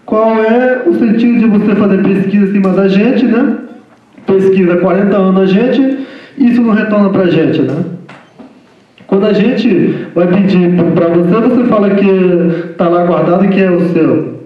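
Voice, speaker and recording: Guy speaking as guest at a lecture, halting, keeps tagging phrases, high voice, echoey far-off mic. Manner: halting, repeats "né?" constantly. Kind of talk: informal lecture talk. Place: lecture room. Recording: echoey hall from far off, dull sound.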